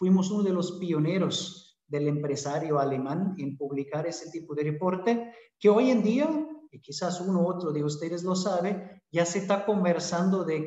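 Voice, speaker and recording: In a German accent, a man speaks at a moderate pace with a high pitch and ordinary pitch variation. His loudness swings a lot, and room echo is audible. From Germany. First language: German (speaking Spanish). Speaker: corporate executive. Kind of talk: conference keynote. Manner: frequent fillers and hesitations.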